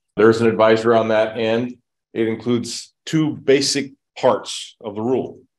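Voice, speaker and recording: This man talks at a moderate pace with a medium-pitched voice. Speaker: regulatory trainer. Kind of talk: training lecture. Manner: halting.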